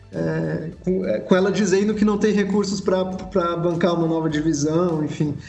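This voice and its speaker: A man with a São Paulo accent speaks at a high pitch with ordinary pitch variation. His moderate pace has hardly any pauses, over noticeable background noise. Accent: paulistano Brazilian Portuguese. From São Paulo, Brazil. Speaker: journalist and editor. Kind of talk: casual interview chat.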